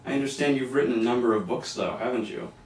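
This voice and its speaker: A man's voice: mid-range voice, fast talker. Brief: male host, mid-range voice, casual and stumbling questions, roomy distant mic, faint background hiss. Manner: friendly, loose, stumbling over restarts. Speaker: interview host.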